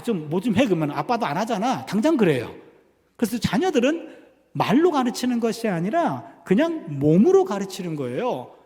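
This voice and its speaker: A male pastor preaching in a church with a long, ringing reverb. His voice sits high and swings widely in pitch as he tells a story and acts out the lines of each person in it. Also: a little mellow. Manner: storytelling, acting out family dialogue. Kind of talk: sermon. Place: church sanctuary.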